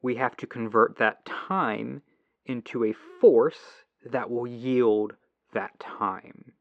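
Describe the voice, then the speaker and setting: A man playing a patient, earnest tech-support agent in a gentle, reassuring ASMR phone roleplay, through a lo-fi telephone filter. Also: medium pitch, takes it slowly, no room sound. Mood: apologetic, explaining. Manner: gentle, reassuring, apologetic, musing to himself. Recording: lo-fi muffled telephone sound.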